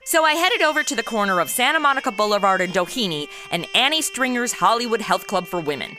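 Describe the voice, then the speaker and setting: A woman's voice: medium pitch, fast, over music, close to an everyday voice. A woman playing a flippant, slangy modern young woman in her twenties in a comedy audio drama. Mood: wry. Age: 20s. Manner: flippant, expressive. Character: sassy, slangy modern twenty-something woman turned detective.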